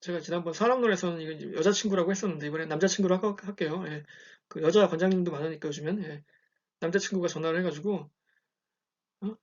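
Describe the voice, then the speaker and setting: A man's voice: high-pitched, fast talker. Conversational Korean male lecturer. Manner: conversational, frequent "예" check-ins, storytelling examples. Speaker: university lecturer. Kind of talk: recorded lecture. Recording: dull lo-fi recording.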